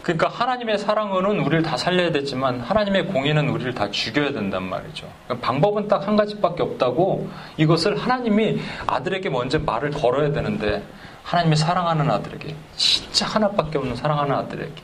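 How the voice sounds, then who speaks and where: A man preaching a sermon, animated and chuckling as he tells stories and acts out dialogues. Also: a little high, quick pace, slight background noise, rough recording. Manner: chuckles while telling stories. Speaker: pastor.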